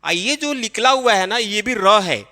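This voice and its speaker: A man teaching a spelling lesson to young children, explaining slowly and repeating himself. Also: sits high, animated, bright, forceful tone, long reverb tail. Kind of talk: classroom-style spelling lesson.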